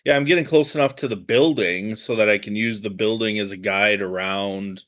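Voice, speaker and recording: Lower-voiced man playing a tabletop game. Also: moderate pace, fairly bright tone. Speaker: player.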